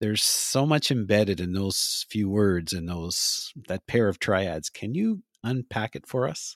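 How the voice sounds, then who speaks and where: A man with a normal speaking voice talks at a fairly low pitch and a fairly slow pace, with hardly any pauses and ordinary pitch variation, in a dry, close sound with no echo and a very clean recording with a silent background. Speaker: podcast host. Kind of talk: interview.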